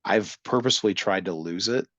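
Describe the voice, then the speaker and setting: A man's voice: low-pitched, fairly quick, fairly bright tone, dry recording. A middle-aged man with a mixed American, English and Irish accent, telling his story in a casual interview, rambling and correcting himself with wry humor. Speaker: interview guest. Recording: dull dry sound.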